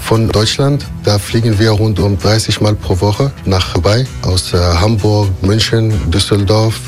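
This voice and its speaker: A man's voice: fairly low pitch, steady tone, measured pace, a little mellow, faint music behind. A man who speaks German as a second language and works as airline cabin crew. He talks hesitantly, with many fillers as he searches for words. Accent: non-native German. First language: not German.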